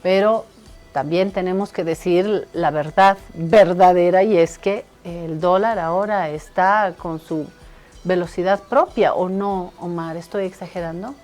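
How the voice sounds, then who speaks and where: A woman hosting a morning TV talk show, talking in a lively, teasing, conversational way. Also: lowish voice, unhurried, soft background music. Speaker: TV show host.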